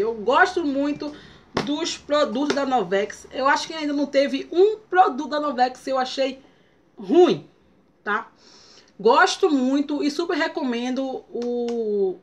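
Brazilian woman, young adult, very high voice, tongue-tied delivery that trips on words, playful casual vlog reviewer. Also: a bit bright. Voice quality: tongue-tied speech impediment, stumbles on hard words. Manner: playful, stumbling over words. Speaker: hair product reviewer. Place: small bedroom, indoors.

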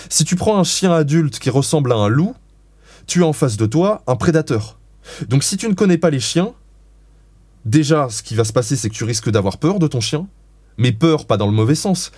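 A man's voice: medium pitch, darkish tone, slightly rough, no room sound. A man giving dog-training advice as an interview guest, explaining in a frank, blunt way with casual swearing.

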